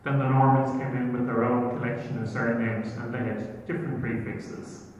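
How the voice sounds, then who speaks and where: A middle-aged Irish man giving a history lecture to a gathering, with a relaxed manner that tends to digress into stories. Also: medium pitch, moderate pace, muffled recording, a little hiss or hum. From Ireland. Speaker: genealogy lecturer. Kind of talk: public lecture with slides. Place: hotel function room. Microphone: laptop screen recording, far from speaker. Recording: echoey distant hall audio.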